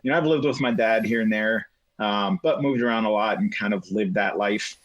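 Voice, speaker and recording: A man's voice: fairly low pitch, moderate pace, dry recording, dull audio. A middle-aged man, a guest telling his life story in a casual chat, rambling with many fillers. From United States.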